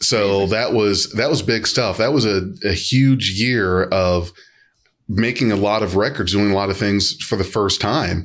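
A man with an American accent uses an unremarkable speaking voice, fairly low in pitch, at a moderate pace. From US Midwest. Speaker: podcast host. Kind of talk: casual chat.

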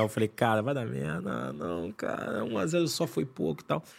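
Speaking in a Carioca accent, a man keeps a moderate pace and a fairly low pitch. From Brazil, Rio de Janeiro. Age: 30s. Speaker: business executive. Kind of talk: casual chat. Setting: studio.

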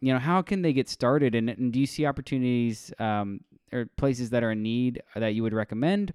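In an American accent, a man talks at a fairly quick pace in a normal speaking voice, recorded very clean and dry with a silent background and close sound with no echo. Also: medium pitch for a man, ordinary pitch variation. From USA. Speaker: podcast host. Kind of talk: casual interview.

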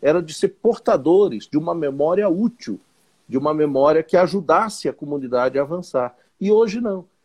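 Moderate-paced speech from a man with a high pitch and very wide pitch swings. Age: 50s. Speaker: teacher and philosopher. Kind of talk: interview on live broadcast. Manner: talkative.

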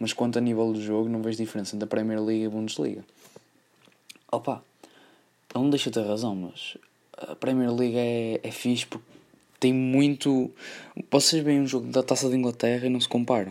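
A man with a strong Porto accent talks at a fairly quick pace, broken by long, frequent pauses. His pitch is medium and his intonation fairly even. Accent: strong Porto (northern Portuguese). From Portugal, Porto. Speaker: solo podcaster. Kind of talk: casual monologue.

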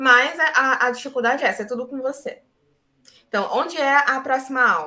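A woman's raised, projected voice, high-pitched with a bright, sharp tone, at a moderate pace with ordinary pitch variation. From Brazil, Niterói (Rio de Janeiro state). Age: 20s. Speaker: medical student. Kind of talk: casual interview.

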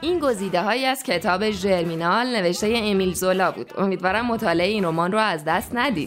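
A woman talks very fast with very even loudness and ordinary pitch variation over noticeable background noise. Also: medium pitch for a woman, hardly any pauses. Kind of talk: dramatic narration of book excerpt. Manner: theatrical, intense, impassioned delivery of a rousing speech; storytelling pace with dramatic emphasis.

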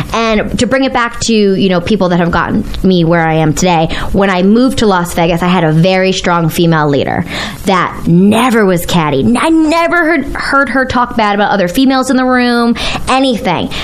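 A woman with an American accent speaks at a medium pitch, her voice making very wide pitch swings at very even loudness. Noticeable background noise runs behind her. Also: fairly quick pace. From Chicago. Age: 30s. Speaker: radio host and business executive. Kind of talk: interview. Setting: studio.

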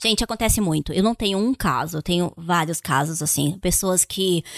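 A São Paulo accent with ordinary pitch variation, recorded very cleanly against a silent background, the sound dry and close with no echo. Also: woman. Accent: Paulistano Brazilian Portuguese. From São Paulo, Brazil. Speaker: driving instructor. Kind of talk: podcast interview.

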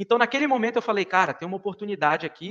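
A man talks with lively intonation. The recording sounds dry and close, without echo. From Brazil, Belém do Pará. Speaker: physician. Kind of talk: casual interview.

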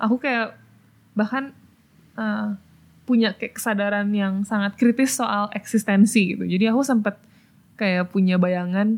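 In a very clean recording with a silent background, a woman speaks at a medium pitch with fairly even intonation, fairly slowly and somewhat breathily, with long, frequent pauses. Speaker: podcast co-host and education activist. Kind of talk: casual interview conversation.

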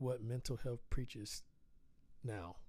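With a Southern US accent, a man talks at a fairly slow pace in a dark, mellow tone, his pitch varying in an ordinary way. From US South. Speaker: podcast host and therapist. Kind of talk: solo podcast monologue. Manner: casual, conversational with filler words.

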